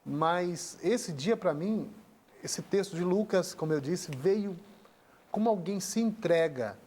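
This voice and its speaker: Male guest, Brazilian accent, high voice, heartfelt storyteller who voices the people in his story. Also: animated, slow pace, dark tone. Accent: Brazilian Portuguese. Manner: earnest, acts out dialogue in the retelling. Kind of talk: emotional personal storytelling.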